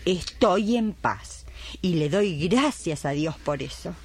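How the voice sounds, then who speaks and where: A woman's voice: lowish voice, expressive, slow pace, darkish tone, breathy edge, exaggerated voice. A woman playing an elderly retired midwife, devout and plain-spoken, in a radio drama. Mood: grateful. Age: older.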